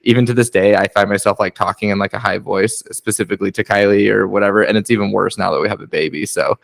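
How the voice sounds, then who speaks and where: A man's voice: lowish voice, steady tone, quick pace, gravelly, dry recording. A young man, a guest husband, telling stories in a casual podcast chat and laughing often. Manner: chatty storyteller, laughs often.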